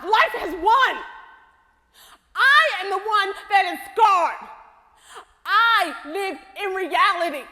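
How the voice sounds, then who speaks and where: A woman's voice: very high voice, sharp tone, heavily acted. An actress playing a weary woman who has lost hope, speaking bitterly and defeatedly. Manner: bitter, defeated, rising to defiant. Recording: reverberant hall.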